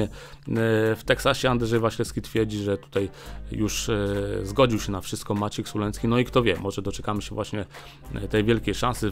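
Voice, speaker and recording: Chatty man hosting a boxing news show. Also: fairly low pitch. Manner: chatty, many filler "e" pauses. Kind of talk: casual news commentary. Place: small indoor studio with a boxing backdrop. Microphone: desk mic on a small stand.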